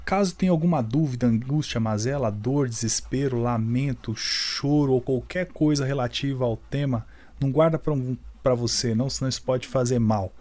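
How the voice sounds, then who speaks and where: A man's voice: medium pitch, moderate pace, hardly any pauses, darkish tone. Brazilian man teaching a video lesson. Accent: Brazilian Portuguese. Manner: explanatory, repeats rules, asks the viewer questions.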